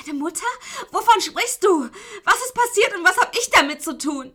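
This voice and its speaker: A woman voicing a terrified captive woman who pleads and cries out in a high, strained voice. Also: animated, measured pace, pushed and bright, full character voice. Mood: panicked.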